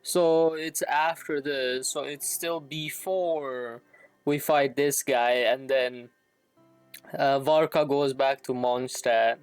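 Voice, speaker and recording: Slow-paced man streaming a game. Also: mid-range voice, fairly even intonation, smooth, no room sound, soft background music, low-quality recording. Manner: rambling, thinking aloud, salty. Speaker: game livestreamer. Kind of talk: casual gaming stream commentary.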